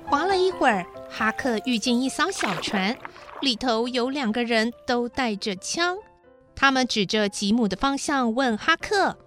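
A woman storyteller narrating a children's story in a gentle, expressive reading. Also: fairly high pitch, measured pace, faint music behind.

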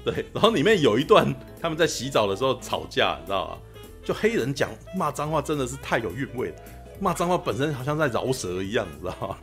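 A man's voice: medium pitch, fast talker, soft background music. A man, chatting as a podcast co-host and telling stories animatedly. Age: 40s. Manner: animated storyteller, keeps asking "you know?". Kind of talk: casual chat.

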